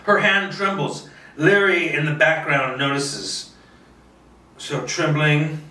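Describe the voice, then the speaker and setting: A man's voice: a little high, slow pace, pushed and bright. A man doing an informal table read of a screenplay, narrating the action and sometimes stumbling or repeating words. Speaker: script reader. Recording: roomy echo, distant mic.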